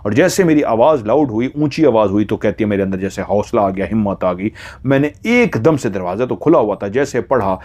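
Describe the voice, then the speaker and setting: A man's voice: on the low side, brisk, few pauses, darkish tone. A man narrating a horror story dramatically, in a suspenseful way, repeating phrases for emphasis.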